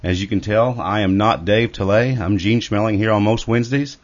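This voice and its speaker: Low-voiced man hosting, halting. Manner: hesitant, lots of uh. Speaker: radio show host. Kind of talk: radio show introduction. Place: studio. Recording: dull lo-fi studio sound.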